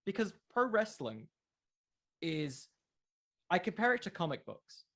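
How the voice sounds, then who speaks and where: A man's voice: high-pitched, very animated, unhurried, fairly bright tone. Earnest man explaining in casual interview chat. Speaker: podcast creator, interview guest.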